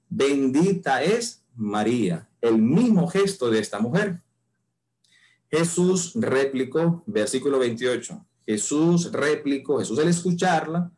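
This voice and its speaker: A man teaching a Catholic Bible lesson as a sermon, reading scripture slowly and with emphasis, asking and answering rhetorical questions. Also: medium pitch, darkish tone.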